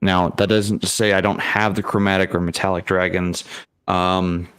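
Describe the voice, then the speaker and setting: A man's voice: sits low, flat delivery, normal speed, a bit bright, clear, resonant tone, no room sound. A man talking casually as a panelist, hesitant and thinking aloud in fragments. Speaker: panelist and game master. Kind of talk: casual discussion.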